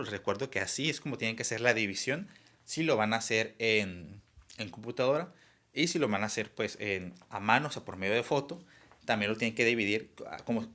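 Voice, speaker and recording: Bright-voiced man teaching a class. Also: lowish voice. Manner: explanatory, many fillers and restarts. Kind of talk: online class lecture.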